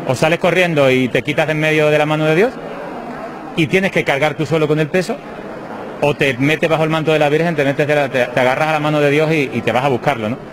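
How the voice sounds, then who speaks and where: A man's voice: fairly high pitch, steady tone, fast talker, background noise. A man, a parish priest answering interview questions in a heartfelt, thinking-aloud way, on a handheld mic inside a small chapel. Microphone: handheld reporter mic. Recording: clear chapel ambience behind.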